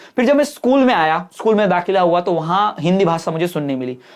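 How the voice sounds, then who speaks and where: Speaking with a Bihari accent, a man uses lively intonation at a high pitch. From northern India, Bhojpuri-speaking family. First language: Bhojpuri (speaking Hindi). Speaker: online teacher for teacher-training exams. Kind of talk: video lecture. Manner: conversational, repetitive.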